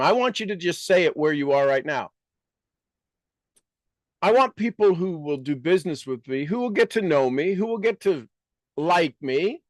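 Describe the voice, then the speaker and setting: Acting as a business coach, a man gives a motivational talk full of rhetorical questions and emphatic repetition, with deliberate pauses. His voice sits high, and the recording is dry with clean studio sound.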